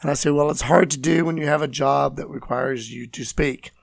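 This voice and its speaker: A man with a scratchy, hoarse voice, teaching and reading scripture as host of a Bible program. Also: mid-range voice, fairly quick, no room sound, studio quality. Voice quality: scratchy, raspy. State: hoarse from voice loss, recovering.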